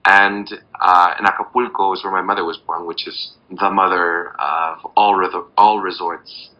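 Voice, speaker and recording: A man's voice: low-pitched, lo-fi sound. A young man from Mexico, chatting as a podcast guest over a video call, rambling and hunting for words with lots of fillers. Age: young adult.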